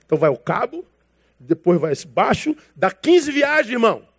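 A man delivers a sermon as a pastor, in a notably high voice. He keeps it casual and slangy and addresses the congregation as brother. He acts out conversations from his anecdotes. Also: sing-song, normal speed, breathy edge. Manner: casual, slangy preaching that calls listeners brother; acts out dialogue from his stories.

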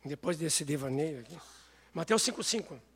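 A man preaching a sermon, telling stories with animated voices. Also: fairly high pitch, moderate pace, a little hiss or hum. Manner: animated storytelling, acts out voices.

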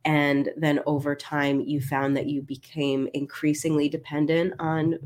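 A woman speaking live to her listeners as a coach. Her voice sits low, and she sounds congested. She talks in a chatty, candid way, restarting sentences and laughing lightly. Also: level tone, unhurried, darkish tone. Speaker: binge eating coach. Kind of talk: live-stream talk to listeners.

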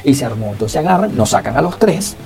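A young Venezuelan man hosting a podcast, telling stories in slangy, animated casual Spanish. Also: medium pitch, quick pace. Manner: slangy, animated, acts out dialogue. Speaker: podcast host. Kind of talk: casual storytelling.

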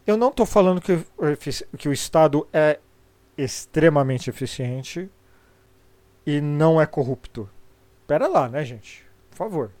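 A man's voice: a little high, expressive, moderate pace, darkish tone, dry recording. A middle-aged Brazilian man with a congested, sniffly voice from a cold, chatting casually and opinionatedly on a live stream in informal, sweary Brazilian Portuguese speech.

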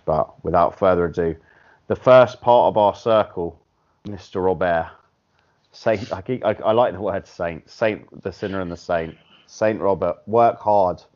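A man hosting a podcast in casual chat, blunt and animated, swearing casually as he makes his points. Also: sits low. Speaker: podcast host. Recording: dull lo-fi podcast audio.

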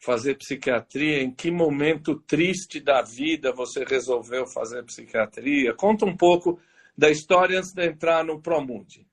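Man, host, live video call, teasing banter, somewhat high voice. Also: unhurried, slightly rough. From Greek. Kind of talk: casual live video interview.

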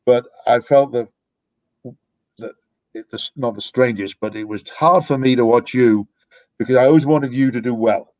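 A man's voice: medium pitch, normal speed, pauses often, darkish tone, dry recording, lo-fi sound. A middle-aged man, a youth soccer coach, talking in a casual podcast conversation, reflective and rambling with restarts. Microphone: podcast microphone.

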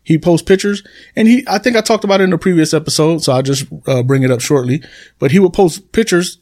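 Higher-pitched man, casual podcast host. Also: quick pace, a little mellow. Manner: conversational, repeats phrases for emphasis. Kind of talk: casual solo podcast talk, addressing listeners. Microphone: computer desk recording.

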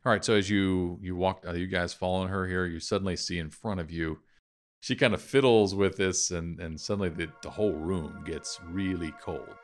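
A man's voice: sits low, moderate pace, soft background music. A middle-aged man narrating and explaining as a podcast game master.

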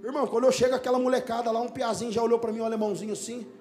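A male pastor telling a story in a sermon, animated and lively, sometimes breaking into shouts and laughter. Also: extremely high pitch, very fast, faint music behind.

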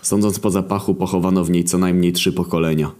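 Deep-voiced deadpan male narrator. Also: fast. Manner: deadpan, sardonic, swearing. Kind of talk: scripted narration of a crude comic story.

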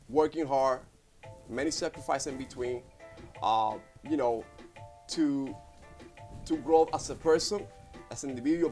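A man's voice: mid-range voice, darkish tone. Man with faint music. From Puerto Rico. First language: Spanish. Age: 30s. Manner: rambling, heartfelt, many fillers and restarts. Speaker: guest, business owner. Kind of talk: casual interview talk. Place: studio.

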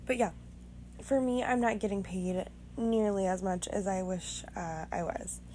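A young woman with a raspy voice, just woken up, rambling frankly and swearing casually as the host of her own podcast. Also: mid-range voice, steady tone, unhurried, mellow, a little hiss or hum. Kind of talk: casual monologue.

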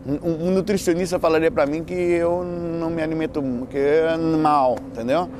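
A man's voice: fairly high pitch, steady tone, normal speed, a little mellow, slight background noise. A man with a Bahian Brazilian accent chats in a casual, rambling, playful way, full of slang and restarts. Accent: Bahian Brazilian Portuguese. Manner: colloquial, slangy, playful, with repeated false starts and self-interruptions. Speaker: speaker answering audience questions on spirituality and lifestyle.

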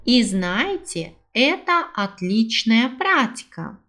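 A woman teaching a language lesson, repeating each phrase slowly and switching between two languages to explain it. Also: on the high side, sing-song, fairly bright tone.

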